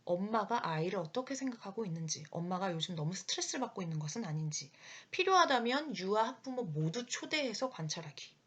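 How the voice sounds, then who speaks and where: A woman's voice: mid-range voice, slightly rough. A woman in her thirties teaching early childhood education in a lecture, now and then acting out short quotes from parents and children. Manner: lively, breaks into quick acted quotes of parents and children. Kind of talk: explanatory lecture.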